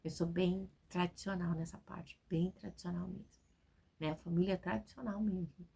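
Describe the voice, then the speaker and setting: A woman's voice: fairly low pitch, fairly even intonation, moderate pace, gravelly, mellow, breathy edge. A woman in her forties, a preacher, speaking from home and giving a spontaneous, talkative testimony sermon that is full of "né?". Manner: spontaneous, talkative, keeps adding "né?".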